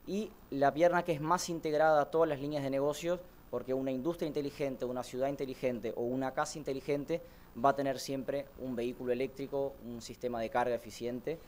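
A man from Brazil of Uruguayan family with a Uruguayan Spanish accent touched by Portuguese, giving a relaxed conference talk from a podium with many "este" fillers. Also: medium pitch, a little fast, a little hiss or hum. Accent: Uruguayan Spanish with Brazilian influence. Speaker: conference speaker, electric mobility manager. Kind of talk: conference presentation. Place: large conference hall, speaking at a podium. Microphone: podium microphone, filmed from far.

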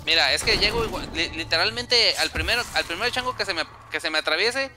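A man's voice: high voice, expressive, music in the background. Chatty man streaming a game. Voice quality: trailing restarts, drawn-out fillers. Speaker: gamer streaming gameplay. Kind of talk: casual gameplay chat.

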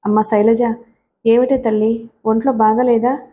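A woman's voice: a little high, level tone, moderate pace, warm tone, natural voice. Woman reading a fretful elderly mother. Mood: worried. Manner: coaxing, worried.

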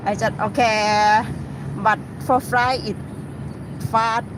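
A woman's voice: on the high side, little pitch movement, slow pace. A Thai woman chatting with a taxi driver in broken English and plenty of fillers, her words carrying a Thai accent, on a live-streamed travel vlog. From Thailand. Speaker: travel vlogger. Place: in a taxi in city traffic. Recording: phone live stream with loud traffic noise.

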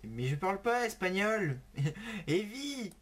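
A man's voice: sits high, sing-song, takes it slowly. A man hosting a gaming video in casual commentary, laughing often and exclaiming while he types to a chatbot at his computer. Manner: giggly, exclaiming, talking to a chatbot.

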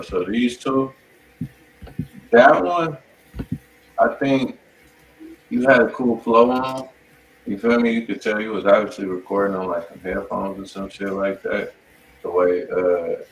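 An American man hosting a music review, giving casual, slangy, conversational feedback. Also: sits low. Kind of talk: casual spoken feedback on submitted songs. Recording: roomy, distant mic, faint noise.

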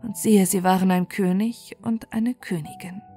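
Bedtime storyteller: woman, medium-pitched, scripted fairy-tale narration over music. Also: steady tone, normal speed, mellow.

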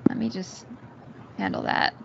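A woman giving an explanatory online lecture, speaking haltingly with pauses mid-sentence over a video call. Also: dull audio, noisy background. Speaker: university psychology lecturer. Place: small room indoors, on a video call.

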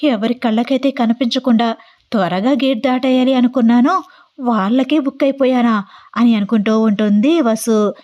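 A woman narrates a romantic audio story with lively delivery, switching into each character. Her voice sits fairly high, and the recording is muffled and lo-fi. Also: normal speed. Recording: dull lo-fi recording.

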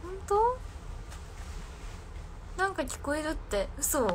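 A woman's voice: high-pitched, very animated, slow pace, a little hiss or hum. A young woman, chatting casually on a live stream alone in her room and reacting to viewer comments. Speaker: idol livestreamer.

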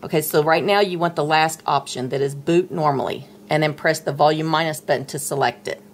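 A middle-aged woman talks through a hands-on tablet tutorial in a patient, chatty way. Her voice sits low, and a faint hiss runs under the indoor recording. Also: brisk, creaky. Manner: patient, chatty, talks while handling the device. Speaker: tech tutorial presenter. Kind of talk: casual step-by-step tutorial. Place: indoors at a table, dim room.

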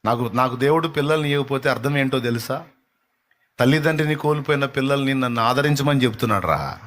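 A man's voice: mid-range voice, fast, a bit bright, slight background noise. A male pastor preaching a fervent live sermon, impassioned and repeating phrases as he rebukes.

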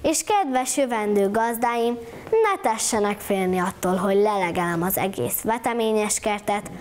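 A woman's voice: mid-range voice, lively intonation, slight background noise, close to an everyday voice. A woman reciting a monologue as a proud, boastful house goat, mock-indignant.

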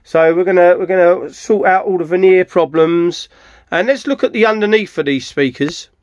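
A man's voice: sits high, normal speed. A middle-aged British man giving a casual, rambling hands-on walkthrough as a restorer, correcting himself as he goes. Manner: informal, rambling, self-correcting. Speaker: furniture restorer presenting his project. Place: cluttered indoor wooden workshop. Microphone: handheld camera mic, speaker behind camera.

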